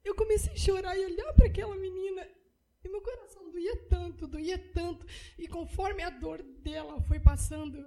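A woman's voice: very high voice, fairly even intonation, brisk, dark tone, poor audio. Emotional woman giving church testimony. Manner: emotional, repetitive storytelling.

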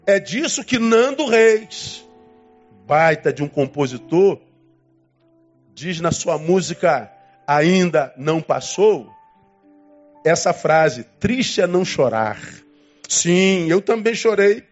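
A man preaching a sermon as pastor, emphatic, with dramatic swings in pitch and long pauses. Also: lively intonation, lo-fi sound, faint music behind.

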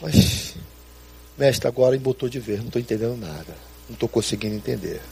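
A man's voice: medium pitch, animated, brisk, gravelly, a little mellow, a little hiss or hum, pitched below the performer's own voice. A preacher voicing a bewildered adult male disciple who keeps pressing questions. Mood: baffled.

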